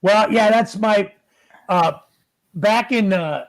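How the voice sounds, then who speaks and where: An older man talks casually, like a musician swapping stories. His voice is gravelly and a touch high, recorded very dry, and he acts out quoted lines as he goes. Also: takes it slowly, no room sound. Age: 50s or older. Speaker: musician guest. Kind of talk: casual chat.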